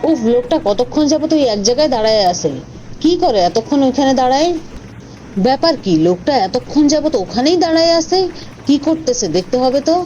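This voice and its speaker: A woman voicing an excitable, suspicious and stubborn young boy in an animated cartoon, speaking colloquially and dramatically. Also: sits high, fairly quick, slight background noise. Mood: curious, suspicious. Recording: dull audio with faint background music.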